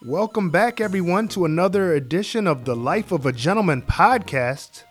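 A man with a somewhat high voice hosts a podcast. He speaks earnestly and encouragingly as he gives tips and introduces a guest. Soft music plays faintly beneath him. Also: animated, moderate pace. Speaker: podcast host. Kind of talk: casual podcast chat and interviewing.

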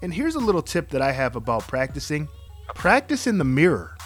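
Guy hosting a podcast, kinda high voice, earnest advice-giving vibe. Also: wildly swooping pitch, brisk, faint music behind. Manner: earnest, encouraging, gives advice. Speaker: podcast host. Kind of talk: casual podcast chat and interviewing.

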